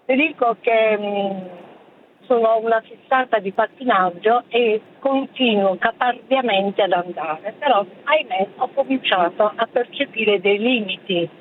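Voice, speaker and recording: A woman in her seventies calling a radio show from her car on a hands-free speakerphone, talking in a hesitant, halting way with many fillers. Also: fairly high pitch. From Bari, southern Italy. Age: 70s. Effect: speakerphone call from a moving car. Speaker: radio caller. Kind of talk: phone-in chat. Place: in a car while driving. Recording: tinny phone line, faint car noise.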